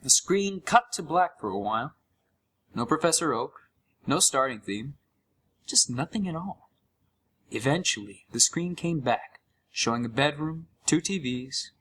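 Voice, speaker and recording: Man playing a wry gamer with lively, swinging intonation. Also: mid-range voice, slight background noise. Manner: wry, conversational storytelling. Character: sarcastic, curious young male gamer recounting a creepy found game. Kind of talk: first-person horror story narration.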